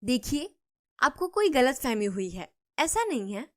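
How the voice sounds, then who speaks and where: A dutiful young daughter-in-law from an animated storybook, polite and eager to calm things down, played by a woman narrator. She speaks in a fairly high, earnest voice. Her tone stays courteous and placating. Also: unhurried.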